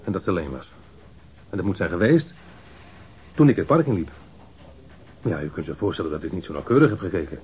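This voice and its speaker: An actor playing a defensive, rough-mouthed street robber under police questioning in a radio crime drama, slangy and halting. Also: male voice, deep voice, lively intonation, a little mellow, slight background noise. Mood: earnest, insistent. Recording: dull lo-fi radio drama recording.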